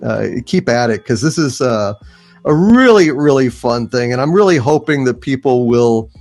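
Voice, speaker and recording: A man's voice: medium pitch, lively intonation, normal speed, a little mellow, faint music behind. A man speaking as a guest in a casual chat, with an earnest, encouraging manner. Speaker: panel guest.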